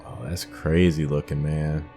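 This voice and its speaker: Very deep-voiced man doing game commentary. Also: little pitch movement, measured pace, mellow, soft background music. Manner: rambling, musing. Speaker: gaming host. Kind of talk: casual playthrough commentary. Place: game commentary with game music behind.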